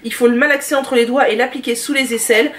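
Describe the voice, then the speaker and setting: A woman with a high voice talks through her favorite products in a chatty, enthusiastic vlog at home. She often pauses on small fillers as she goes. Her voice sounds set back from the microphone. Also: steady tone, a bit bright, a little hiss or hum. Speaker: beauty and lifestyle vlogger. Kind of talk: casual product review monologue. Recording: voice distant from the mic.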